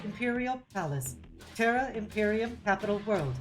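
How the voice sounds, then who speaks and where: A robotic, put-on character voice at a fairly high pitch moves at a moderate pace over faint background music. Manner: monotone, clipped.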